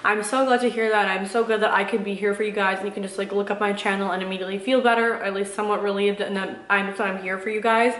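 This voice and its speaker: A young woman speaks at a rapid clip in an echoey room, chatting as a vlogger answering questions. Her delivery rambles and is packed with fillers, yet stays earnest and encouraging. Her pitch sits in a middle range for a woman. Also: fairly even intonation, a bit bright. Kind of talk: casual chatty Q&A with motivational advice.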